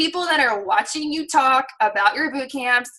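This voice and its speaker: Raised and projected, a woman's high-pitched voice carries a bright, sharp tone at a moderate pace with ordinary pitch variation. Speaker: fitness business coach. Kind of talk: live training talk. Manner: casual, filler-heavy.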